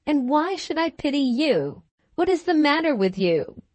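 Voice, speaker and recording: A woman's voice: sits high, sing-song, a little slow, darkish tone, dry recording, pitched above the performer's own voice. A woman voicing an earnest young wife and mother who speaks in a pleading, reproachful way in an audiobook.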